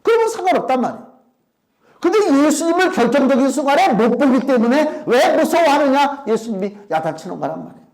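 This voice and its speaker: A man's voice: extremely high pitch, very animated, fast, darkish tone. A male pastor preaching a sermon in an emphatic, conversational way, asking the congregation questions and acting out quotes.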